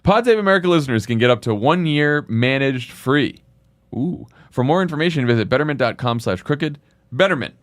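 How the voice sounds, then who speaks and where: A man's voice: mid-range voice, expressive, fairly quick, no room sound. A man hosting a podcast reads a sponsor ad in a chatty way. His voice sits in the middle range, and the sound is dry and close. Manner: chatty, breaks into laughs. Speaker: podcast host. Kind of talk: host-read ad.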